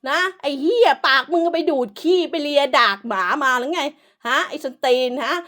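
A woman's voice: sits high, normal speed, fairly bright tone. A woman delivering an angry, profane, scolding rant as an online commentator, hurling insults throughout.

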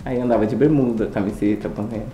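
Interviewee: 29-year-old man, Brazilian Portuguese accent, amused and relaxed, mellow voice. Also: lowish voice, quick pace, dull audio. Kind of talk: casual personal storytelling. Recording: roomy room sound.

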